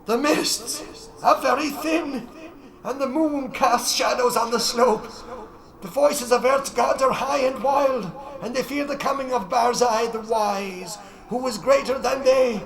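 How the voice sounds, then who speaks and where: Old prophet, very high shrill voice, slow wild proclaiming, boastful, audiobook horror, crowd-like din behind. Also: male voice, creaky, full character voice, rough recording. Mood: wild exultation. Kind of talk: dramatic audiobook character voice.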